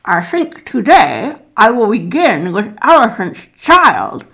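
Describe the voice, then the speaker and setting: A woman voicing a sly, menacing male crocodile in a children's story, with a slow, coaxing manner. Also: on the high side, sing-song, vocal fry, a bit bright, heavily acted. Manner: slow, coaxing, through clenched teeth.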